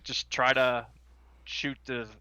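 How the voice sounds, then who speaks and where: Bright, forceful-voiced man playing a tabletop game. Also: medium pitch, flat delivery, takes it slowly, clean tone, dry recording, lo-fi sound. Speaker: player in a tabletop RPG podcast. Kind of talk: casual game chat.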